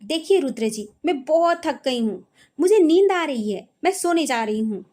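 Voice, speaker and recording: A woman's voice: sits high, expressive, normal speed. Woman voicing an irritated young bride. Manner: sharp, annoyed retorts.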